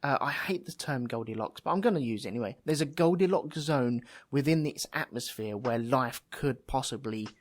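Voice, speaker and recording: A man hosts a loose, chatty podcast at an ordinary mid pitch. He rambles, trails off, and mocks his own grasp of the subject. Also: lively intonation, normal speed, few pauses. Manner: rambling, self-mocking, thinks aloud. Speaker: podcast host. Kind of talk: casual chat.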